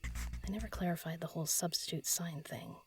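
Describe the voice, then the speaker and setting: A woman playing a solitary, pensive writer in an audio drama, murmuring halting lines to herself as she composes, often half-whispering. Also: lowish voice, natural voice. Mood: pondering, self-critical. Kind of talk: intimate audio drama monologue, thinking aloud.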